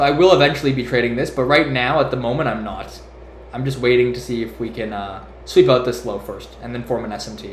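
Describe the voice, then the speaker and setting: Very fast speech in a Canadian accent with big swings in loudness amid noticeable background noise. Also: man, medium pitch for a man, ordinary pitch variation. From Eastern Canada. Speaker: day trader streaming live trades. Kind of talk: live trading stream with chat Q&A. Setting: live stream. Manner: casual, frequent fillers.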